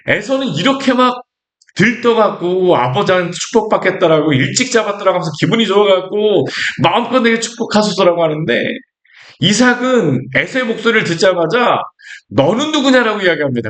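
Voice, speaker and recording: A man's voice: high voice, fairly bright tone. A male pastor preaching a sermon in a conversational way, asking his listeners rhetorical questions and acting out lines from scripture.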